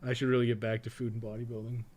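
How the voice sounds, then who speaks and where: A man's voice: mid-range voice, level tone, rapid-fire, a little mellow. Casual, sweary man rambling through game commentary. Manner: rambling, thinking aloud; profane, slangy, joking. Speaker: game guide streamer and podcast host. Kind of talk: casual live-stream gaming commentary.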